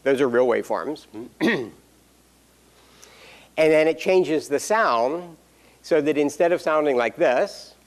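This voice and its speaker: A man's voice: on the high side, lively intonation, slow pace, long pauses, slight background noise. Man lecturing with dry humor. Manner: explanatory, dry jokes, frequent fillers. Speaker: university lecturer. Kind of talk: classroom lecture.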